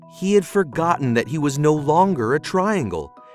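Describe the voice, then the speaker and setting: A man speaks with music in the background. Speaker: voice over artist. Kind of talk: children's educational story narration.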